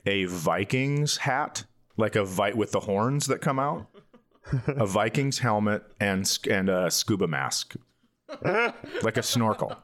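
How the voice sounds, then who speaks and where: A man with a fairly low voice chats casually as a comedy podcast host. He tells self-mocking stories in a loose, giggly way, as a comedian would with a close friend. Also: animated, slow pace, fairly bright tone. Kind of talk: casual comedic banter and storytelling.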